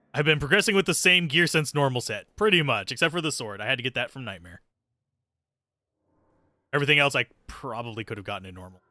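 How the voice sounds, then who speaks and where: A game streamer and host gives casual, sweary live gameplay commentary and chats with viewers, sardonic and self-deprecating throughout. His voice is a little high, pushed and bright, with no room sound.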